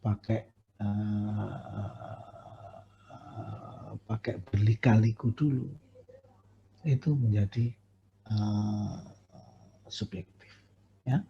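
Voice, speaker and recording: A man's voice: on the low side, fairly even intonation, very slow, creaky, pauses often, a little hiss or hum. A man lecturing on staff appraisal, conversational, with many fillers and self-corrections. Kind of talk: recorded university lecture. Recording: dull lo-fi recording.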